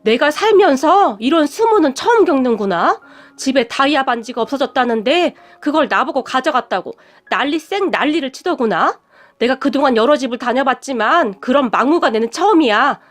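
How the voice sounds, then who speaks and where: A woman voicing a weary, proud middle-aged mother who sighs and pleads, speaking fairly high. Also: expressive, normal speed. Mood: hurt. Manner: sighing, pleading, stubborn.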